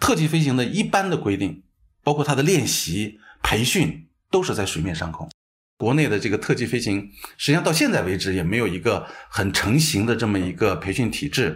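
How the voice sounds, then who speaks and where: On a very clean recording with a silent background, a man's somewhat breathy voice makes very wide pitch swings. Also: medium pitch for a man, fairly quick pace. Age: 50s. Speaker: paragliding club head. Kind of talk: interview.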